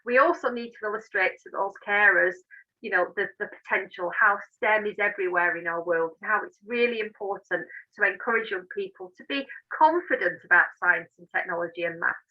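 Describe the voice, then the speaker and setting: A woman's voice: medium pitch, brisk, muffled recording. A woman being interviewed as an engineer, explaining and giving advice in an emphatic, encouraging, informal way. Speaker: interview guest, engineer and managing director.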